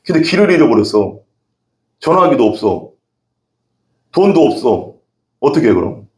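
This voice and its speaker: A man's voice: medium pitch, big pitch swings, moderate pace, darkish tone. A man preaching a casual, conversational sermon, often asking the congregation questions. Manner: chatty, asks the congregation questions. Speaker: pastor. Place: church sanctuary. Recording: echoey church room.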